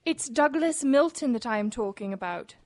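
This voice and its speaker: A woman's voice: fairly high pitch, expressive, moderate pace, a little mellow, lightly acted. A woman playing an earnest young lady who pleads formally for help in an old-time radio drama.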